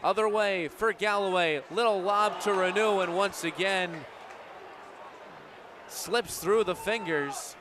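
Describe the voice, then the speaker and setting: A twenty-something man from the United States gives live radio play-by-play at a sports venue, speaking high and taking his time. Behind him, the crowd and the gym's game noise are audible.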